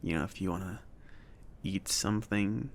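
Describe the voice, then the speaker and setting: Low, creaky-voiced man as a friendly, awkward shop mage. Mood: friendly, hesitant. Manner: halting, casual, chatty, filler-laden. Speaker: ASMR roleplayer. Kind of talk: soft-spoken ASMR roleplay.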